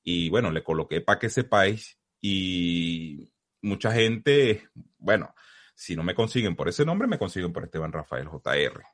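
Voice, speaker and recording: A man's voice: low voice, lively intonation, unhurried. A man from Zulia, Venezuela, with a Zulian Venezuelan accent, a podcast guest telling his story earnestly in a casual interview over a video call. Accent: Zulian Venezuelan Spanish. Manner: earnest, storytelling, uses vos forms.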